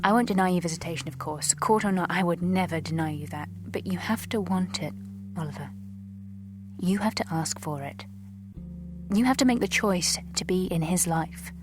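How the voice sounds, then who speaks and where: A woman playing a hurt, dignified, newly divorced wife, reading a letter in an audio drama in measured, formal short phrases. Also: fairly low pitch, over music, close to an everyday voice. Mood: hurt, firm.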